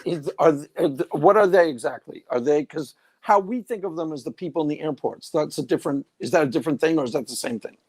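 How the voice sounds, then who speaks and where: Male live-stream host, slightly high voice, curious, chatty, laughs often. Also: fairly quick, hardly any pauses, breathy edge.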